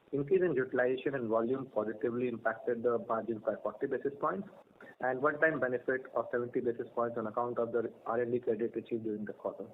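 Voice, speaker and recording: A man working as a financial controller, reading out a scripted financial report over a thin conference line. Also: mid-range voice. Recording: phone-like conference line, faint noise.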